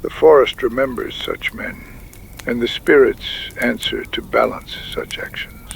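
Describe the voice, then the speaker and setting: A man playing a wise, solemn Native tribal chief in a frontier audio drama, speaking gravely with a breathy, gravelly voice that often drops to a whisper. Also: mid-range voice, wildly swooping pitch, a little hiss or hum, exaggerated voice, rough recording. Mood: grave, mystical. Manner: slow, measured, grave pronouncements.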